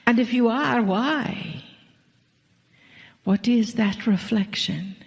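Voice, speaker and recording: A woman delivers a channeled spiritual message to an audience at a very unhurried pace, her voice gravelly and slipping into soft whispers on key phrases. The sound rings with long hall reverb and has a dull, lo-fi tone. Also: on the high side.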